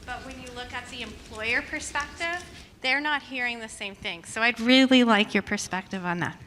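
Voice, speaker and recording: A woman's voice: fairly high pitch, normal speed, fairly bright tone. Hesitant woman asking from the hall. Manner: hesitant, repeats herself. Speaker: audience questioner. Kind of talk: asking a panel question. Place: conference hall. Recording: reverberant hall with background noise.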